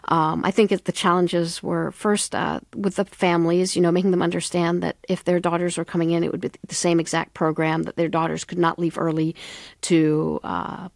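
A woman's voice: fairly low pitch, flat delivery, normal speed, creaky, no echo, clean studio sound. A woman from the Middle East, a school founder and soccer coach, answering interview questions earnestly with many fillers.

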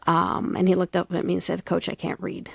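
A woman's voice: on the low side, completely flat delivery, fairly quick, creaky, slightly rough, no room sound. A woman from the Middle East, a school founder and soccer coach, answering interview questions earnestly with many fillers.

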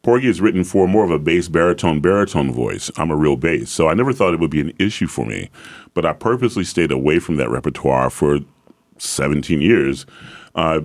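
A man from the American South, an opera singer with a very deep voice, talking as a guest in a relaxed roundtable conversation. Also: fairly quick. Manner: relaxed storytelling, laughs easily.

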